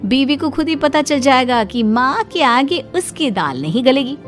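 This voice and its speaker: A woman narrating a cartoon family story in a steady storytelling manner. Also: high-pitched, measured pace, faint music behind.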